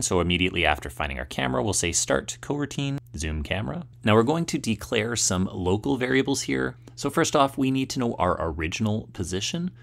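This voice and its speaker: Man, tutorial presenter, animated intonation, gravelly creak, step-by-step explanatory delivery. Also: fairly low pitch. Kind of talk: scripted instructional screencast narration.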